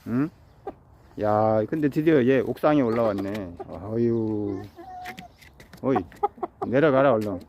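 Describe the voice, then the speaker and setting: Early one morning on a rooftop, a pension owner chats with his pet chicken, coaxing and teasing it the way he might talk to a child. His voice is on the low side, and the lo-fi sound carries a little hiss or hum.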